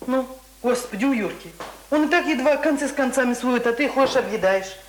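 A woman's voice: sits high, a little fast, close to an everyday voice, low-quality recording. An actress in a Russian radio play playing a weary, middle-aged single mother with a folksy, sighing way of talking. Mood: fussing, scolding. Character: weary single mother of a schoolboy, no longer young. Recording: hissy old radio drama recording.

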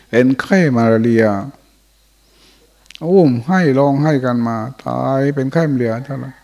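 A man's voice: medium pitch, creaky, dark tone. An older man, a Buddhist monk, giving an informal dharma talk in a monastery hall, telling folksy stories and often chuckling.

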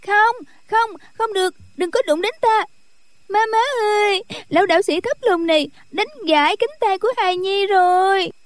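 A man doing a sobbing bratty girl of thirteen, very high squeal, whiny, dry close sound. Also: normal speed, no echo. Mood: wailing.

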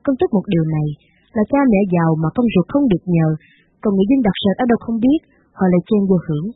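Woman putting on a resentful grown son, formal and dutiful, husky, dry tinny audio. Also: medium pitch, no room sound. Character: grown son writing a bitter, dutiful letter to his mother.

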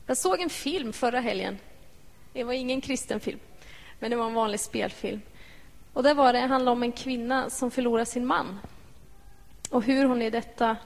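A woman with a somewhat high voice gives a gentle, reflective devotional talk to a church congregation. She draws listeners in with questions. Her voice rings out with a long echo in the hall. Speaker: devotional speaker.

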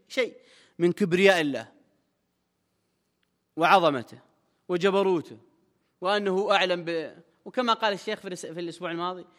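A sheikh comments on a religious text with quick, emphatic colloquial speech. His voice sits high and bright. A long hall reverb trails his words.

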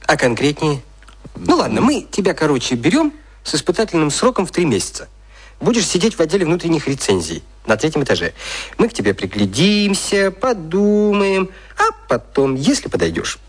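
A man's voice: fairly high pitch, wildly swooping pitch, fairly quick, breathy edge, full character voice. A male actor in a radio drama playing a youngish, jovial and sly boss who talks bluntly and mockingly. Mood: grumbling.

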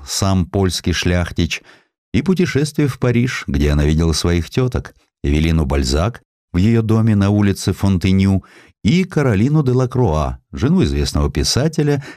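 A man reading a historical sketch as a scripted literary narration, in a measured, expressive storytelling manner. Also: sits low, no echo, clean studio sound. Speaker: audiobook narrator.

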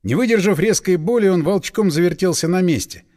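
A man reading an audiobook in scripted narration, with an expressive, dramatic delivery. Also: sits high, brisk, big-room sound.

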